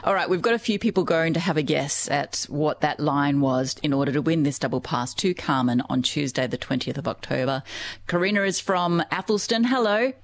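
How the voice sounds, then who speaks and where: A chatty woman hosting live radio from a studio, gushing and quick to laugh. Her voice sits low for a woman. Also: no echo. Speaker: radio host. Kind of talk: live radio interview and giveaway.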